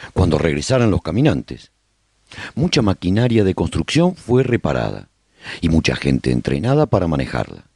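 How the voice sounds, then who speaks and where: Guy acting as apocalypse survivor telling his story on a radio serial, mellow raspy voice, really varied intonation. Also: sits low, no room sound, clean studio sound, full character voice. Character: male survivor recounting life after a zombie apocalypse. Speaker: narrator of a serial radio drama. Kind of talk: scripted first-person radio drama narration.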